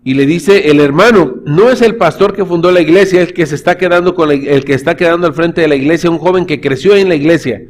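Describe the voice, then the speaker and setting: A man's voice: on the high side, fast talker, hardly any pauses, a little hiss or hum. A man, a pastor preaching a sermon in church, telling stories and calling the congregation brothers. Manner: storytelling, addresses congregation as brothers.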